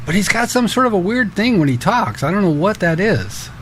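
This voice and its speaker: A man in his fifties co-hosting a casual podcast, animated and quick to laugh. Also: high voice, slight background noise. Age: 50s. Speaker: podcast co-host.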